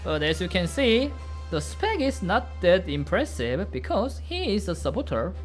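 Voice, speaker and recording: A man in his thirties with a Korean accent, a native Korean speaker giving casual game commentary in simple, halting English. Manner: excitable, high-pitched exclamations in play, simple halting English. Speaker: game streamer. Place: indoor room at a desk, webcam beside game screen. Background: faint game music.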